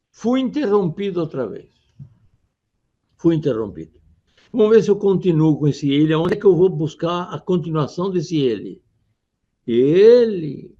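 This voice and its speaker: An older man teaching a grammar class, reciting verses slowly and dramatically between explanations. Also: a little high, warm tone. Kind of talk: lecture on grammar and poetry. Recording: dull lo-fi lecture recording.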